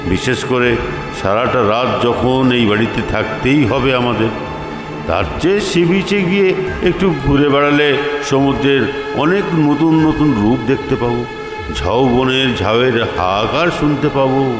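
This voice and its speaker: An older man reading a Bengali ghost story aloud in first person, expressive and unhurried. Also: mid-range voice, roomy sound, long reverb tail, over music. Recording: background noise.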